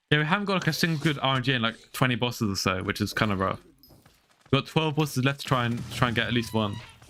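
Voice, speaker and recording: In an English accent, a man talks at a very fast pace with a bright, sharp tone. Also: medium pitch for a man, lively intonation. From England. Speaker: gaming streamer. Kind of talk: live stream commentary.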